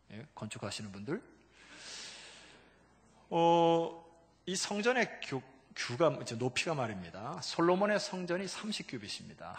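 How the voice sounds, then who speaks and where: Booming Korean pastor in echoing church. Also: male voice. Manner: emphatic, swinging from loud exclamations to hushed low asides; calls out to the congregation for responses. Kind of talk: sermon. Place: church sanctuary. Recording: long reverb of a large church hall.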